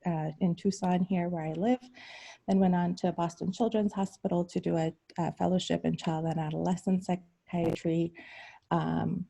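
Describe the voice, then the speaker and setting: Hesitant low woman from Iran. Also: fairly even intonation, gravelly, mellow. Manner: hesitant, many ums and pauses. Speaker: psychiatrist guest speaker. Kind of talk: casual personal story on a video call. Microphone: video call.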